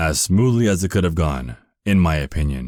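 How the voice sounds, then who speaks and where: Using a put-on character voice, a man talks with a very deep, low pitch. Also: moderate pace. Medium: audio drama. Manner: haughty, stiff.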